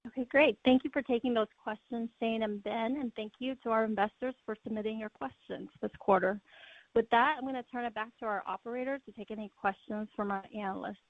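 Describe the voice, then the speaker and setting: Higher-voiced businesslike woman, tinny phone line. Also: steady tone, a little fast, no room sound. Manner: polite, businesslike. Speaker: earnings call moderator. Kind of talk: scripted corporate hand-over.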